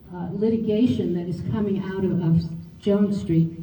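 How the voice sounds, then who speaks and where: A woman speaks at medium pitch with noticeable background noise and audible room echo. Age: 80s+. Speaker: town hall attendee. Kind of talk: public comment at town hall.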